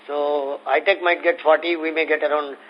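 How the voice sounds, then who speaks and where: A man with an Indian accent answering investor questions as a company executive on an earnings call, explaining in a halting way. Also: fairly high pitch, flat delivery. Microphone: conference call phone. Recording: muffled conference phone line with noise.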